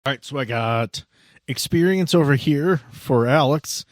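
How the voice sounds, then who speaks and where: A man's voice: mid-range voice, a little slow, dry recording, studio quality. A man narrating as game master of a tabletop game, describing scenes casually with asides and restarts.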